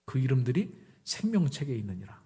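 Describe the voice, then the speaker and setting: This middle-aged preacher's voice is medium in pitch, sing-song, and brisk, with a dark, slightly rough tone. His sermon is conversational, built on stories in which he plays out both sides of the exchanges.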